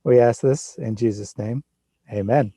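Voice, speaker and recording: A man of forty hosts a casual livestream in an easy, chatty way and laughs now and then. His voice sits at an ordinary middle pitch. The sound is dry and close, with no room around it. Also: measured pace, slightly rough, no room sound. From Midwest United States. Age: 40s. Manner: relaxed, chatty, laughs often. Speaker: livestream host.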